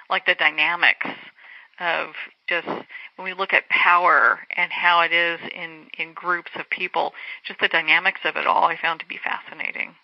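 A woman's voice: on the low side, vocal fry, no room sound. A woman hosting an interview, asking questions in an enthusiastic, chatty way. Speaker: interview host. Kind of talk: conversational interview. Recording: muffled, dry lo-fi line.

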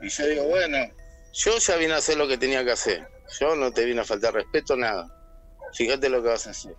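A man's voice: medium pitch, fairly quick, a bit bright, soft background music. A man with an Argentine accent calling in to tell a personal story, acting out the voices he quotes. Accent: Argentine Spanish. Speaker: caller. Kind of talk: telling a personal story on air.

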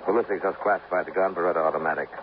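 An actor playing a weary police lieutenant in a 1950s radio drama, briefing in a brisk, matter-of-fact way. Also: male voice, sits low, fairly even intonation, lightly acted. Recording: dull old radio broadcast with faint hiss.

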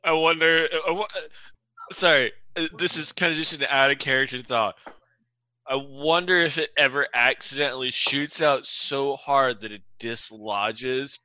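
A man's voice: medium pitch, steady tone, a little slow, sharp tone, dry recording, highs cut off. A man playing a tabletop game, talking in a hesitant, stammering way with many restarts. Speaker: player. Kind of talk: tabletop game play, in and out of character.

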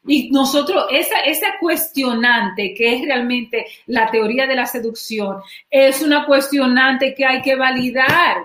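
A woman therapist who talks in a thoughtful, halting way, full of restarts and fillers. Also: sits high, a bit bright. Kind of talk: casual discussion. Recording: echoey room.

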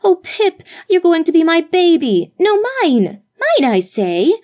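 A woman voicing a group of eager young sisters who plead and chatter excitedly. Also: high-pitched, pitched above the performer's own voice. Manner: pleading, raised and quick.

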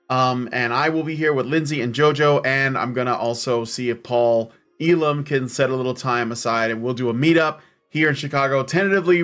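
A man hosting a podcast, relaxed and rambling in casual chat. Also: mid-range voice. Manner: relaxed, rambling, many fillers. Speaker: podcast host.

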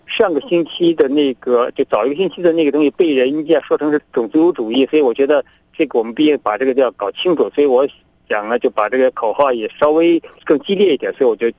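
A middle-aged man from China, a guest on a remote link, telling events in a lively way and acting out both sides of each argument. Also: medium pitch, fast talker, dry recording, rough recording. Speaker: interview guest, activist. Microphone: remote connection.

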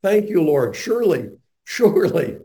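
Earnest older male radio host, mellow tone. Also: fairly high pitch, measured pace. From North Carolina, USA. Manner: earnest, animated storyteller.

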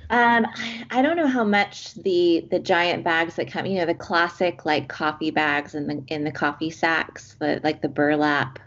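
A woman's voice: deep voice, steady tone, unhurried, few pauses, fairly bright tone, lo-fi sound. A woman guest in a casual chat who explains her work thoughtfully, with many fillers. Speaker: guest, coffee roaster.

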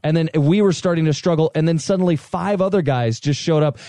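A man co-hosting a casual podcast, telling gaming stories in an animated way with quick laughs. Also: a little high, no echo. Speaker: podcast co-host. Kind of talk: casual chat about video games.

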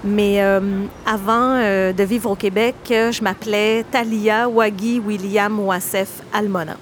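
A woman from Egypt tells her story in an interview, explaining things clearly with many pauses. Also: mid-range voice, fairly even intonation, a little hiss or hum. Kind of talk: personal testimony in an interview.

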